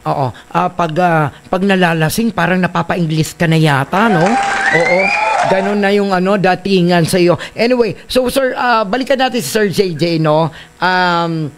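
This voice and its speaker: A man's voice: sits high, normal speed, noisy background. A man hosting a casual radio interview, chatty with lots of fillers and tag questions. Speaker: radio host.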